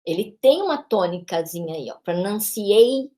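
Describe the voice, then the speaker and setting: Brazilian teacher with a São Paulo interior accent. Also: female voice, medium pitch, lively intonation, measured pace, darkish tone. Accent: São Paulo interior Brazilian Portuguese. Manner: explanatory, checks in with frequent tag questions. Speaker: English teacher. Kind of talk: pronunciation lesson narration.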